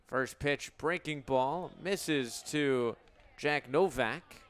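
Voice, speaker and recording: A young American man does radio baseball commentary in a smooth, crisp voice pitched a bit high. He describes the action in short, clipped phrases as a play-by-play broadcaster. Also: drawn-out words. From United States. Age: 20s.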